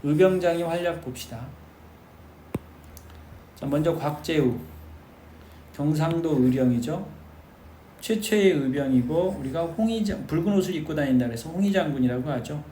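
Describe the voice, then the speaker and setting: A man with a fairly high, dark-toned voice gives an exam-prep history lecture at normal speed, speaking emphatically to his students and posing rhetorical questions. The room is echoey, with faint background noise.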